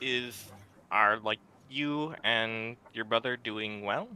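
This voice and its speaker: Putting on a character voice, a man talks at a very slow pace and a medium pitch with fairly even intonation. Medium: actual play.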